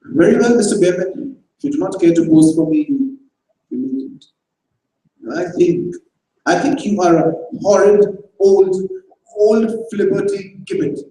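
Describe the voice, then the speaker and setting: A man puts on a cross young woman artist with a breathy, half-whispered scold. The voice sits high and dark-toned. It comes from a distant stage in a strongly echoing hall. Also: a little slow. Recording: echoey hall from far off.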